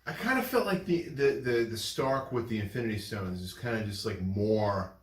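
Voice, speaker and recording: Guy chatting casually, really animated and excitable, repeats stuff, echoey room. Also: on the low side, normal speed. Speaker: podcast co-host. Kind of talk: casual chat. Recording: roomy echo.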